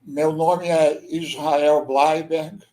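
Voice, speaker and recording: A Brazilian man, a military history researcher and writer, giving a measured, explanatory slide presentation and often tagging his sentences with a questioning "né?". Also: fairly high pitch, fairly even intonation. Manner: measured, explanatory, with frequent "né?" tags.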